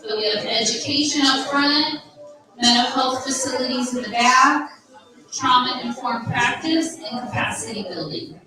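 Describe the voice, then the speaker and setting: A woman leads a workshop in a big conference room with an upbeat, encouraging delivery, repeating her instructions. Her fairly high voice rings back from the walls and sits at a distance from the mic. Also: measured pace, music in the background. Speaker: workshop facilitator. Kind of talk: leading a live workshop. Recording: echoey room, voice from far off.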